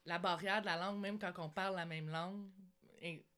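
A woman's voice: fairly low pitch, fairly even intonation, a little fast, a bit bright. A woman with a Québécois accent hosting a casual conversational interview. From Quebec. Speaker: podcast host.

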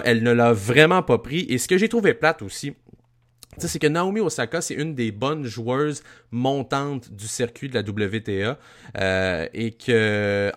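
A man with a Quebec French accent talks sports informally, at a middling pitch. He feels his way through sentences, doubling back on words as he builds his point. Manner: halting, repeats words as he searches for phrasing. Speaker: sports talk show commentator. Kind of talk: casual sports discussion.

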